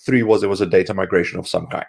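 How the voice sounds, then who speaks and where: A man co-hosting a casual tech livestream, hoarse from a cold, explaining things in a rambling way with lots of fillers. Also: sits low, steady tone, very fast. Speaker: co-host.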